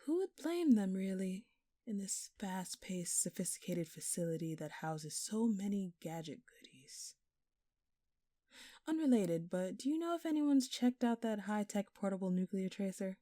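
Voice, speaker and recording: A woman's voice: medium pitch, lively intonation, moderate pace, dark tone, no echo, studio quality, lightly acted. A woman playing a smug, flirtatious jewel thief in an audio roleplay, teasing and slyly mock-innocent as she addresses the listener. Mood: taunting, insinuating.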